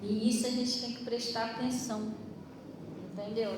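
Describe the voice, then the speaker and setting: In a room with audible echo and noticeable background noise, a soft-spoken woman talks at a moderate pace, her fairly high pitch held in fairly even intonation. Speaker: pastor. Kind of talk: sermon. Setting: church.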